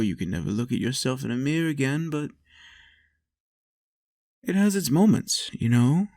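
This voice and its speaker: Slow, doting vampire lord, played by a man. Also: medium pitch, darkish tone, no room sound, clean studio sound. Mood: reassuring, playful. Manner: soothing, unhurried, lapses into whispers and chuckles. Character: lonely, doting male vampire lord, playful and coaxing. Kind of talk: intimate roleplay monologue to the listener.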